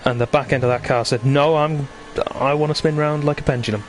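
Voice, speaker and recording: A man's voice: fairly high pitch, steady tone, brisk, a little hiss or hum. A man hosting live esports racing commentary in a chatty, conversational way, bantering with his co-commentator. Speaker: sim racing commentator and host.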